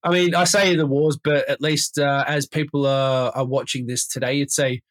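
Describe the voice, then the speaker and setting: A man's voice: medium pitch, little pitch movement, normal speed, fairly bright tone, dry recording. An Australian man hosting a podcast, nasal from a cold, chatting casually and rambling with frequent restarts. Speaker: podcast host. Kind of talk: casual conversational podcast chat.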